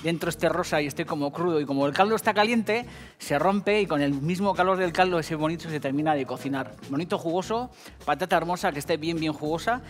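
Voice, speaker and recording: A man's voice: on the high side, quick pace. A middle-aged man with a Basque Spanish accent hosting a casual cooking show, talking straight to viewers in a jokey, profane manner. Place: TV kitchen set.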